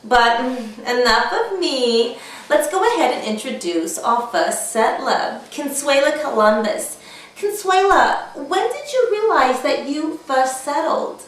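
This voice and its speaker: A woman's voice: sits high, lively intonation, slow, exaggerated voice. A woman playing a brassy, sardonic married talk show host, chatty and theatrical in a comedy sketch. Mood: showy. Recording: echoey room, distant microphone.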